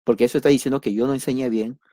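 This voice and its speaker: A man teaching a church doctrine class, speaking deliberately in simple words and repeating key words for emphasis. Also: medium pitch, steady tone, dark tone, no room sound, clean studio sound. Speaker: Bible study teacher.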